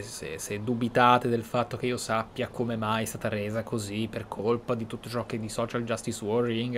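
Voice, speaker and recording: A man's voice: on the low side, a little hiss or hum. A man giving casual, reflective roleplay commentary on a video game, explaining and repeating words for emphasis. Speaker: gaming streamer, player. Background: game sound.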